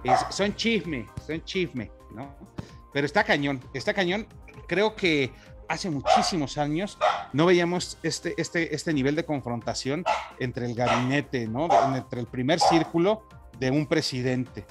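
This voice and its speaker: A man with a Mexican accent co-hosting a casual talk show, rambling through gossip in slang with lots of filler pauses. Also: a little high, loud music behind the voice. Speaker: co-host. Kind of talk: casual political gossip chat.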